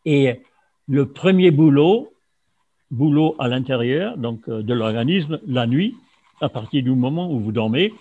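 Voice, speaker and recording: A man from Germany whose first language is German speaks in a mid-range voice. He gives a loose, informal talk full of pauses, fillers and restarts. The recording is dull and lo-fi. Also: mid-range voice, animated, mellow. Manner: halting, many fillers and restarts. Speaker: speaker on fasting. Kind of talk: informal lecture to an audience. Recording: dull lo-fi sound.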